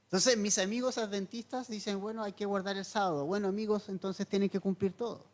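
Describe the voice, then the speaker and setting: A man's voice: sits high, fairly even intonation, a little fast, darkish tone. A man, a pastor, giving a verse-by-verse sermon in an earnest, explanatory teaching tone, asking his listeners questions and repeating key points.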